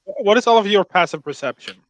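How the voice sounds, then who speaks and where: A man's voice: high voice, expressive, fast talker. A man running a tabletop game as game master, narrating casually and talking with the players.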